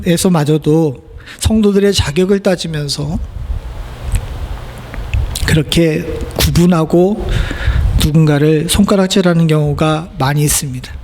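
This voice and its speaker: Male pastor, middle-aged, high-pitched, conversational sermon full of questions to the pews. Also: darkish tone, slight background noise. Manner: conversational preaching with rhetorical questions to the congregation. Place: church sanctuary.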